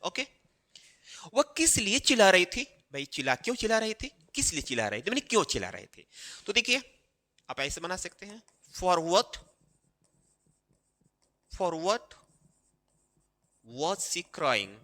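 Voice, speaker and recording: Male grammar teacher, high lively voice, repeats himself a lot, echoey room with long reverb. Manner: explains slowly, repeating phrases with many fillers. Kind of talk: Hindi-language grammar lesson while writing on a board.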